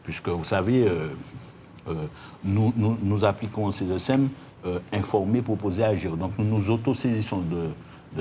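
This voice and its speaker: Deep-voiced Martinican man, halting delivery. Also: dark tone. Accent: Martinican French. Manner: hesitant, repeats words while explaining. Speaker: interview guest, union leader. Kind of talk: spontaneous interview answers. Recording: clear background noise.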